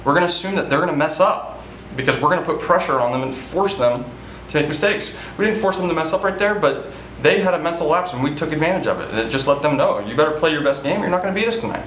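In this post-game press interview, a baseball team manager in his thirties speaks earnestly from an indoor press room with a sponsor backdrop, repeating himself and using frequent fillers and restarts. His voice is on the high side, a bit bright, animated, and fast, captured in a roomy, low-quality recording with slight background noise.

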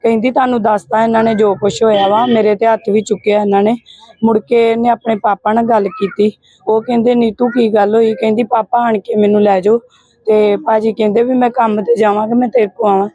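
A woman's voice: on the high side, fairly quick, warm tone, no echo, lo-fi sound. A Punjabi woman, the victim's aunt, answering a reporter and steadily recounting phone calls. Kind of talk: interview answers.

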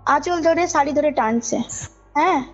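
A woman's voice: high-pitched, moderate pace. A woman tells a personal story as a caller, informally and emphatically, often checking that her listener follows. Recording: muffled call audio under loud music. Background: background music.

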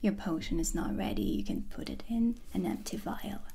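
A woman playing a dry, cautioning witch who teaches potions, in a hushed ASMR roleplay. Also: mid-range voice, gravelly, slightly rough. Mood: instructing. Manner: measured, hushed, instructing. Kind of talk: whispered cinematic ASMR roleplay. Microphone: close ASMR microphone.

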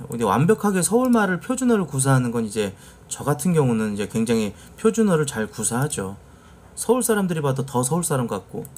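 A man's voice: medium pitch, a little mellow, a little hiss or hum. A man from the Jeolla region, a live streamer chatting casually with viewers and telling stories, acting out the lines he quotes. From Jeolla, South Korea.

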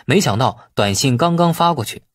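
A man's voice: mid-range voice, expressive, normal speed, dry recording, studio quality. A man narrating a novel as a scripted audiobook, telling the story expressively.

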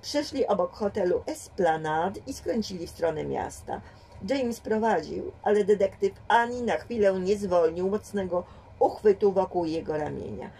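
A woman narrating a crime story in a calm, measured way, voicing the characters as she goes. Her tone is husky and mellow. The simple home recording places her at some distance from the mic. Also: medium pitch. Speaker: audiobook reader. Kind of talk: fireside reading of a crime story.

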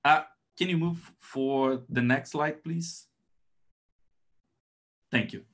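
Halting Brazilian man giving a presentation. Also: fairly high pitch, a bit bright. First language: Portuguese. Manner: hesitant, halting delivery. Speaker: academic presenter. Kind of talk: slide presentation on a video call. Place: indoors, on a video call.

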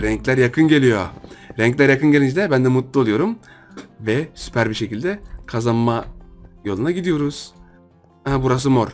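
A young man hosting a gaming channel, giving casual, joking commentary as he plays and talks to his viewers, often repeating phrases as he pleads with the game. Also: on the high side. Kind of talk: casual let's-play commentary.

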